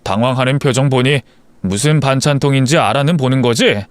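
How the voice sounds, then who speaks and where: A man narrating a family story in first person, calm in narration and harsh and scornful when confronting. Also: medium pitch, fairly quick, no room sound.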